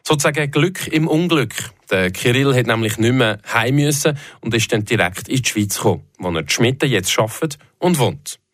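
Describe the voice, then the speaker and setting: Radio host, dry studio. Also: male voice, medium pitch, animated, moderate pace, few pauses, fairly bright tone, dry recording. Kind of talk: radio interview moderation.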